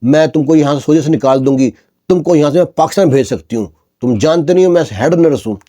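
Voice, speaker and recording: A man's voice: fairly high pitch, warm tone, close to an everyday voice. A man voicing a haughty, bitter woman, a head nurse who scolds with scorn. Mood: scornful.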